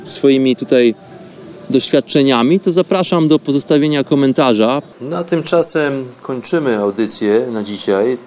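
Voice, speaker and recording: A man hosting a radio show, giving instructional talk in an explanatory way, pausing now and then to find words. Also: mid-range voice, darkish tone, a little hiss or hum. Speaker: host of a radio show on meditation.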